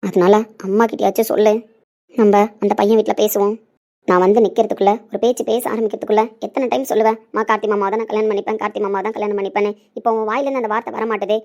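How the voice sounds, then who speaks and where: A woman's voice: medium pitch, steady tone, racing, mellow, close to an everyday voice. A woman playing a desperate middle-aged mother who pleads with and scolds her daughter in an emotional family drama. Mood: scolding. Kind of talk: Tamil web-series acting.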